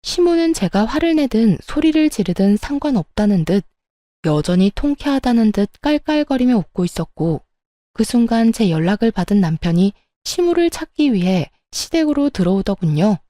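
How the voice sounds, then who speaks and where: A woman narrating a first-person story in a steady, aggrieved tone. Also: on the high side, normal speed, no echo, studio quality.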